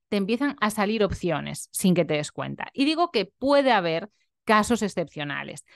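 Woman, young adult, nutritionist vlogger, confessional, earnest, lowish pitch, crisp dry sound. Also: dry recording. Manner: earnest, confessional, many tag questions. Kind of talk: reflective personal vlog talk.

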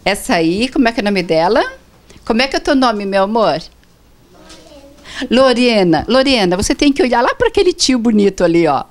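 A woman's voice: fairly high pitch, very animated, a little fast. A woman hosting a children's fashion show indoors, cheerfully and sweetly coaxing the kids to pose. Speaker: show host. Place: indoor atelier.

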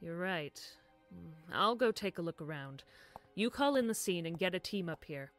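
An actor playing a calm, matter-of-fact male police detective. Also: high-pitched, moderate pace, soft background music.

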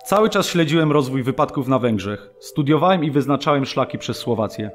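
A man's voice: mid-range voice, lively intonation, fairly quick, faint music behind, lightly acted. An actor playing a young Polish man who plans a wartime escape, in a documentary radio drama monologue. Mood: purposeful.

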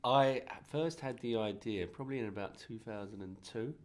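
A man's voice: mid-range voice, normal speed. A man with a stuffy cold, rambling and restarting as a filmmaker in a festival press-room interview, speaking into a handheld mic. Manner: rambling, many restarts and laughs. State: congested from a cold. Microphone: handheld mic held by interviewer.

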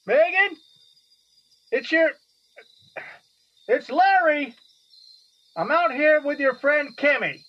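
Audio drama stern folksy man: raised high voice, slow and halting, muffled. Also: animated, exaggerated voice. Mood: stern, calling out. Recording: dull, distant-sounding voice.

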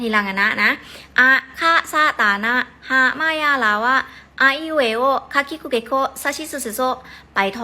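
A woman's voice: fairly high pitch, sharp tone. A woman giving a chatty, playful language lesson to beginners. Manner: chatty, playful, repeats words for practice. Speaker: Japanese language teacher. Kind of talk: casual video lesson.

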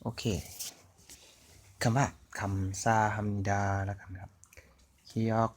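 A man with a Thai accent giving a relaxed, chatty language lesson, repeating sounds as he writes them out. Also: slight background noise. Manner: slow, chatty, repeating sounds while writing on a board. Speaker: language teacher. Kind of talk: casual online language lesson.

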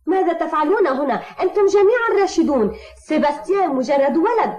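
A woman's voice: very high voice, animated, fast, crowd noise. A woman playing a feisty, protective young woman in a dubbed cartoon. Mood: scolding. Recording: echoey, slightly dull audio.

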